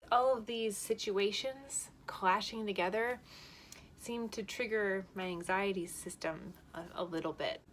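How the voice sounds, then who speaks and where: A woman's voice: mid-range voice, a little hiss or hum. A woman telling a personal story to camera in a chatty, candid way, laughing often, shaken by vertigo. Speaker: vlogger.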